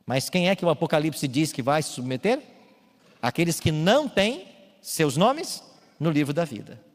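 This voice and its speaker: A man preaching a sermon as a pastor in a church, speaking emphatically and building to loud calls. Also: fairly high pitch, very animated, moderate pace. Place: church with baptismal tank. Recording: long hall reverb, faint music.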